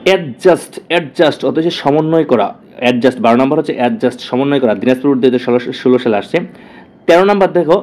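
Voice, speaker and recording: Fast-talking male tutor. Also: mid-range voice, darkish tone. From Bangladesh. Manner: rapid, repeats key words, checks in with "clear?". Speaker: teacher. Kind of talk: exam-prep lesson.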